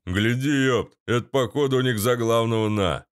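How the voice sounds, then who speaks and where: A man voicing a rough, foul-mouthed former paratrooper comrade in an audiobook. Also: mid-range voice, normal speed, lightly acted. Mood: gruff. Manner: coarse, gruff, offhand cursing.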